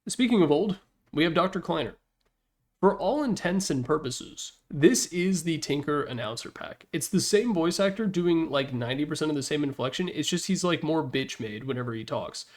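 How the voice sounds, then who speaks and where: A man's voice: fairly high pitch, animated, moderate pace. A young man giving casual, opinionated commentary on video games in an informal, slangy, joking way.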